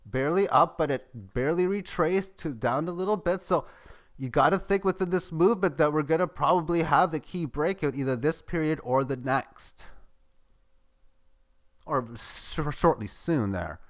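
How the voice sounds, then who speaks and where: Man, fairly high voice, live chart commentary, play-by-play, excitable at highs. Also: moderate pace. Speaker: market chart analyst.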